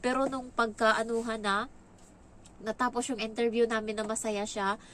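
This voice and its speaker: A woman's voice: fairly high pitch, little pitch movement, normal speed, a bit bright, a little hiss or hum. A young woman with a Filipino accent telling a story in casual vlog chat. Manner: chatty, acts out quoted lines in a raised voice. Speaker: vlogger.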